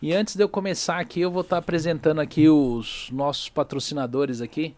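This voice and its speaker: A man's voice: a little high, fairly even intonation, fairly quick, a little mellow. A man hosting a podcast in a small studio, chatty and jokey, tagging his lines with little questions. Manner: chatty, jokey, fills with "né?" and "tá entendendo?". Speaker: podcast host. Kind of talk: casual podcast chat with sponsor reads.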